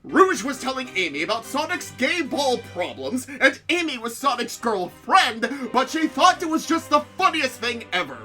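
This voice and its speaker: A woman's voice: sits high, big pitch swings, normal speed, few pauses, pushed and bright, faint music behind. A woman hosting a comedic dramatic reading, mixing narration with casual banter. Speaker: reader and host.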